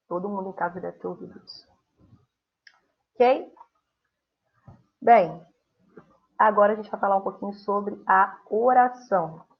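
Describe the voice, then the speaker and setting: A young woman with a Brazilian Portuguese accent gives a grammar lesson, her voice slightly husky. She explains steadily and acts out example sentences with lively intonation. The recording sounds dull and lo-fi. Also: mid-range voice. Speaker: teacher.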